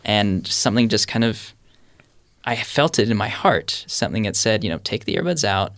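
A man's voice: on the low side, animated, moderate pace, fairly bright tone, no echo. A young man telling a personal faith story in an earnest, rambling way with many fillers. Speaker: panel guest. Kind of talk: casual faith discussion.

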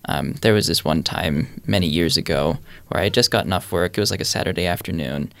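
A man's voice: deep voice, brisk, creaky, no echo. A young man telling a personal faith story in an earnest, rambling way with many fillers. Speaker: panel guest. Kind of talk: casual faith discussion.

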